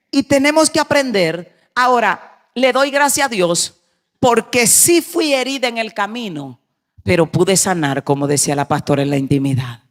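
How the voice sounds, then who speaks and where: A woman pastor preaching a sermon, emphatic, moving between hushed passages and raised, urgent lines. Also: mid-range voice, expressive, measured pace, long pauses.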